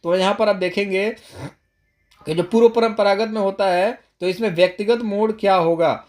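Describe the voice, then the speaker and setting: A man's voice: high-pitched, fairly even intonation, moderate pace, darkish tone. A man teaching an exam-prep lesson, explaining step by step and speaking directly to viewers, often restating points. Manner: repeats and rephrases, addresses viewers directly. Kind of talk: explanatory lecture.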